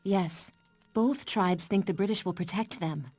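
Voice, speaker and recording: A woman's voice: mid-range voice, a little slow, darkish tone, soft background music, natural voice. Woman playing a firm, proud tribal mother. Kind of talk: video game cutscene acting.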